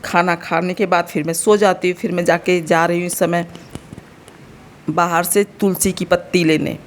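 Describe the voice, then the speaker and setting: A woman's voice: fairly low pitch, little pitch movement, moderate pace, a little hiss or hum. A woman in her thirties from India with an Uttar Pradesh Hindi accent and a slightly sore throat, chatting to her viewers in a casual home vlog. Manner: chatty, addresses viewers directly, explains as she goes. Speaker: vlogger.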